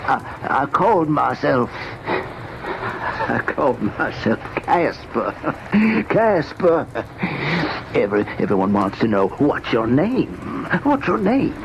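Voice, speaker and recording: A man acting a tormented, world-weary older figure with a gravelly voice and halting, repetitive delivery in old-time radio horror. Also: mid-range voice, big pitch swings, exaggerated voice. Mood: weary, brooding. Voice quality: gravelly, creaky. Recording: muffled, very noisy old radio recording.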